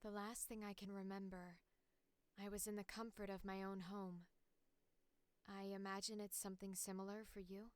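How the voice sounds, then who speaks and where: A woman's voice: mid-range voice, little pitch movement, moderate pace, clear, resonant tone, no echo, close to an everyday voice. A woman voicing a composed, faintly mocking captive in a puzzle game, reading theatrically and articulately for an audition. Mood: composed, reflective. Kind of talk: voice acting audition read.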